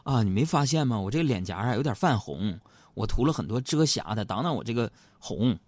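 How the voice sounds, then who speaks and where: A man's voice: medium pitch, sing-song, fairly quick, darkish tone, no room sound. A man voicing his wife as she needles him in a matter-of-fact way, inside a comic monologue. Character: nagging wife with a pointed reply.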